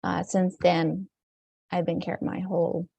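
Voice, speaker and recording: A woman from Mexico with a Latino accent, talking casually as an interview guest in a halting, circling way with many filler phrases. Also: lowish voice, little pitch movement, creaky, mellow, husky, no room sound. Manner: halting, circling phrasing with frequent "like" and "you know". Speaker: podcast guest, dancer and author.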